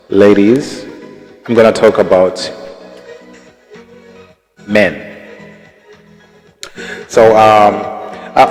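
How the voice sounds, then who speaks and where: Brief: relaxed vlogger, slow and pausing, low-ish voice, long reverb and faint music. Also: male voice. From Tanzania. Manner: unhurried, many pauses and fillers, chuckles at his stories. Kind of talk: casual talk to camera.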